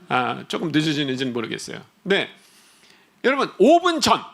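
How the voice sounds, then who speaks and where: Man, missionary preacher, sermon, high voice, very lively pitch, humorous, chatty. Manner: animated, humorous, chatty asides to the congregation.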